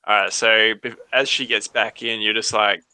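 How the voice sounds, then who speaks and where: A man's voice: lowish voice, fairly even intonation, normal speed, pushed and bright, no echo, low-quality recording. A man acting as game master, casually improvising the narration of a tabletop role-playing game.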